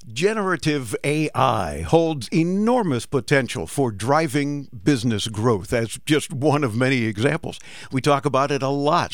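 A man's voice: mid-range voice, dry recording, clean studio sound. A man hosting a consumer tech radio show, with upbeat, promotional host patter.

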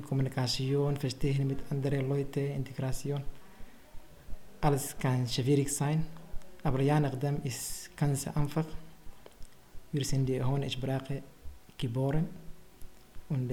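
Slow, halting Somali man, mellow and even. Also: medium pitch, a little hiss or hum. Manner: halting, searching learner speech. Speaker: language learner. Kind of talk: reading own prepared text.

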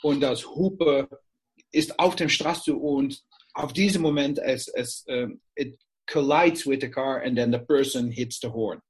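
A Dutch-accented man speaking German as a non-native, often pausing to search for words and switching into English. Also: mid-range voice, husky. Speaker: guest. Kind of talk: casual conversation.

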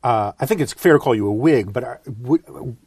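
A man hosting a podcast, chatty and relaxed with many fillers. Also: medium pitch, brisk, vocal fry, breathy edge, no room sound. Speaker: podcast host. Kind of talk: casual podcast interview.

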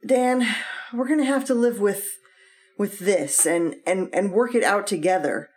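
A woman's voice: mid-range voice, a little slow, natural voice. A woman playing a tender, devoted wife. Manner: soft, tender, reassuring. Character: devoted, gentle young wife. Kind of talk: 1950s radio acting.

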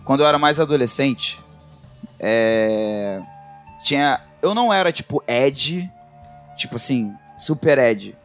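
A man with a Brazilian accent in casual, reflective podcast chat, talking informally and slangily in halting, rambling bursts. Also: medium pitch, animated, soft background music. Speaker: podcast co-host.

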